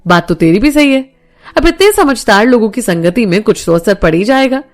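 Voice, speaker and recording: A woman's voice: a little high, very animated, moderate pace, soft background music, pitched above the performer's own voice. A woman voicing a young man who jokes easily with his cousin and friend. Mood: joking.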